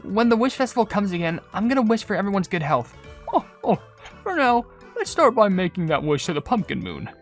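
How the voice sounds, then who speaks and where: Host doing gentle worried cookie healer from a game, voice pushed up high, music behind. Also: very animated, brisk. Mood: gentle concern.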